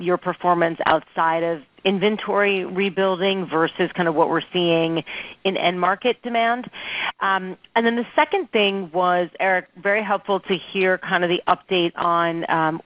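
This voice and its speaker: A woman's voice: on the low side, no echo. Conversational female analyst, dry dull line. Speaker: analyst calling in with questions. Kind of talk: unscripted questions on conference call.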